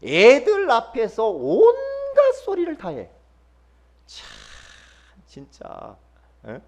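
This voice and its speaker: Animated high-voiced male pastor preaching. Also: lo-fi sound. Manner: emphatic, swings from loud bursts to low murmurs; acts out quoted church members in quick asides. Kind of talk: sermon.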